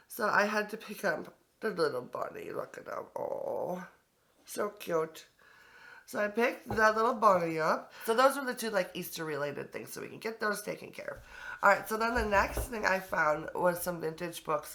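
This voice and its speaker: Bright-voiced congested woman gushing over finds. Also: medium pitch, creaky. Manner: gushing, enthusiastic, many fillers. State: congested from allergies. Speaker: thrift haul vlogger. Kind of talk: casual chatty show-and-tell. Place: home kitchen.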